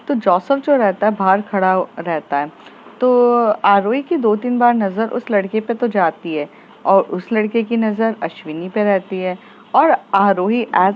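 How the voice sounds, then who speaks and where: A woman's voice: medium pitch, highs cut off, slight background noise. Chatty woman telling a love story. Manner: chatty, fillers. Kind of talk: casual story narration.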